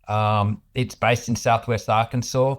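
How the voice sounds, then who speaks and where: A man's voice: mid-range voice, flat delivery, unhurried. A man with an Australian accent speaking as an executive guest in an informal business interview, explaining things in a hesitant, conversational way.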